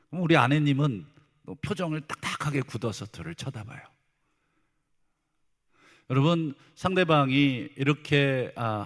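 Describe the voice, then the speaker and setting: A male pastor preaching a sermon with humor, acting out exchanges between spouses and asking the congregation questions. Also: mid-range voice. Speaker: senior pastor. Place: church sanctuary. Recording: long church hall reverb.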